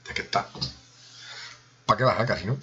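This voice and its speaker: A man's voice: lowish voice, moderate pace, pushed and bright, muffled recording, a little hiss or hum. A man with a Spain Spanish accent giving a joking running commentary to himself during a casual live coding stream.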